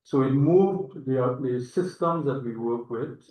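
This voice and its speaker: A man's voice: medium pitch, unhurried, warm tone, slight background noise. An older man with a Trinidadian accent gives an informal conference presentation as an agronomist, speaking in a hesitant, reflective, digressive way. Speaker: agronomist and institute chairman, presenter. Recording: echoey, distant, dull online-meeting audio.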